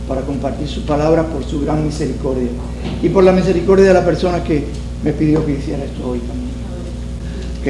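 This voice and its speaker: A man's voice: on the high side, roomy sound, noisy background. A man from Cuba, teaching a Bible study to a congregation, repeating key phrases and asking them questions. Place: church sanctuary.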